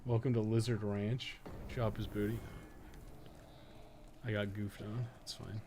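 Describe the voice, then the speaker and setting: A man's voice: lowish voice, little pitch movement, measured pace, darkish tone, slight background noise. A man doing casual, sweary live gameplay commentary, often muttering to himself as he plays. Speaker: game streamer, podcast host.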